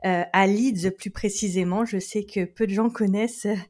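A woman's voice: mid-range voice, steady tone, normal speed, a little mellow. A woman from France, a lawyer, chatting as a guest in an interview, laughing often and restarting her sentences. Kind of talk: casual interview chat.

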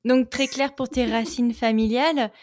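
A woman's voice: a little high, steady tone, moderate pace, darkish tone, dry recording, studio quality. A woman hosting an interview, asking questions in a playful, teasing way and laughing easily. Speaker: podcast host. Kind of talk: casual interview chat.

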